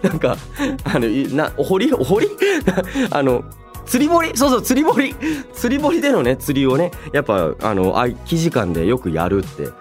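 This thirty-something man speaks in a mid-range voice at a moderate pace, sounding very animated as he runs a laid-back radio show. Backed by music in the studio, he reads listener letters politely but loosely, jokes around, and frequently laughs at his own remarks.

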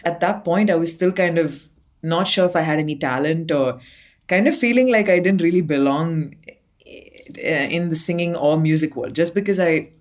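Young woman guest, low-pitched, chatty and laughing, casual remote interview. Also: moderate pace. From Dubai. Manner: chatty, laughs often, many fillers. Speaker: guest singer-songwriter.

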